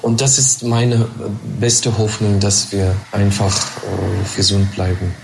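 Man, German, measured and careful, faint background noise. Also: fairly low pitch, flat delivery, creaky. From Yakutia. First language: Yakut. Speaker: interviewee. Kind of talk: remote interview.

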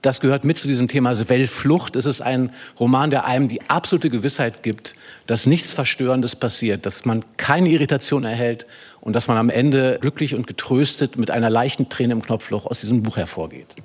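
A man on a literary panel speaks in a husky, mid-pitched voice, steady and analytical. His argument unfolds at an even pace. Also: brisk. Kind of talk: radio panel discussion.

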